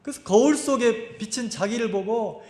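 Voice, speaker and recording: A man's voice: extremely high pitch, normal speed, a little mellow. A male pastor preaching a sermon in a conversational way, acting out scenes and asking the congregation questions. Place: church sanctuary. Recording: echoey church sanctuary.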